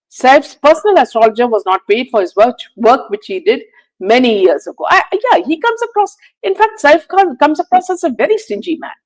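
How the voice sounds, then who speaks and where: A woman's voice: fairly high pitch, a little mellow, rough recording. A woman hosting a live stream, reading viewer comments and firing indignant rhetorical questions with many "uh"s and "you know"s. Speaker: host.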